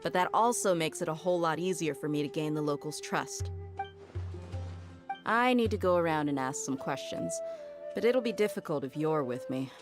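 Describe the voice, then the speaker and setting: A low-pitched female mercenary from a video game, shrewd and sure of herself. She speaks in a folksy, streetwise way, laying things out with easy confidence. Soft music sits behind her. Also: expressive, normal speed. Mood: firm, assured. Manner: folksy, self-assured, explanatory.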